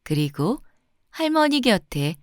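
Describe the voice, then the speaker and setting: Female storyteller, scripted fairy-tale narration, gentle, expressive, lively intonation, clear phrasing, dry recording. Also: fairly high pitch, slow, no room sound.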